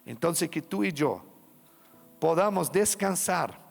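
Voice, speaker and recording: A male pastor delivering an impassioned sermon with emphatic lines and dramatic pauses, in a reverberant church hall with faint music behind. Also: on the high side, expressive, gravelly.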